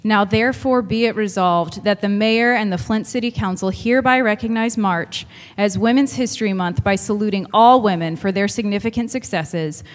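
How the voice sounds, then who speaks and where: A woman, a councilwoman, reading a formal resolution aloud in a measured way in council chambers. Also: medium pitch, in a large hall.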